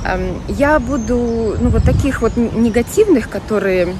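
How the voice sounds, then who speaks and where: A woman's voice: on the high side, a little slow. A woman in her thirties, a fashion vlogger, talking earnestly and emotionally to camera outdoors, upset after crying. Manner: earnest, emotional, defensive, speaks straight to viewers. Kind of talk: casual vlog monologue to camera. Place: outdoor city park square. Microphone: phone held at arm's length. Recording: phone audio with street traffic noise.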